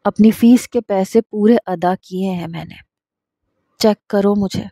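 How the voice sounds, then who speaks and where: A woman's voice: mid-range voice, creaky, mellow, no echo, studio quality. A woman voicing an obsessive, jealous young man in a storybook reading, speaking in a heated, demanding way. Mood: obsessive, angry.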